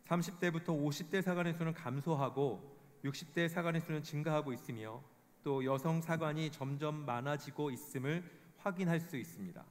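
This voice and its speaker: A man giving a formal scripted report, reading statistics in a measured way. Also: a little high. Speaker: presenter of a report. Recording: long hall reverb.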